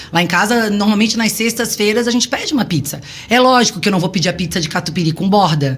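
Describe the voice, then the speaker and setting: Over noticeable background noise, a woman talks at a very fast pace with a medium pitch and lively intonation. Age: 40s. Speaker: physical educator and studio owner. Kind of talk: podcast interview.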